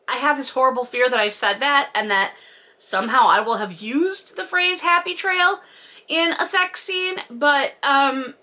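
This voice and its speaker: Sharp and high-pitched, this woman reads a book aloud as host of a comedy read-along. Her mockery leans on sarcasm, overdone emphasis, and frequent swearing.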